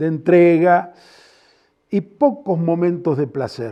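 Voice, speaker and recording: Over a quiet background, a man with a high pitch and a dark, mellow tone talks at a very slow pace. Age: 80s+. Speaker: pastor. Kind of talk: interview answer.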